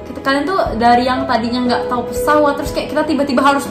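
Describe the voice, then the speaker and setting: Female vlog host in her 20s, high pitch, roomy echo, walks viewers through it. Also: steady tone, rapid-fire. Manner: explains step by step, speaks to viewers. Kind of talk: casual chat. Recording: echoey room with music behind.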